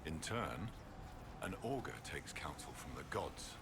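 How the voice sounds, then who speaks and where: An actor playing a solemn male tribal mage and spiritual leader in a fantasy game, speaking in a measured, ceremonial way. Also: extremely low pitch, big pitch swings, noisy background, full character voice. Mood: solemn, patient. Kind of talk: scripted fantasy game dialogue.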